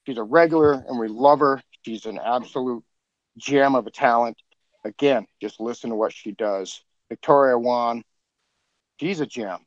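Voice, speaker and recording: A man's voice: mid-range voice, normal speed, no echo, dull audio. Rambling, enthusiastic podcast man. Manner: rambling, enthusiastic praise with many fillers. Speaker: podcast producer. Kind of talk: casual behind-the-scenes chat.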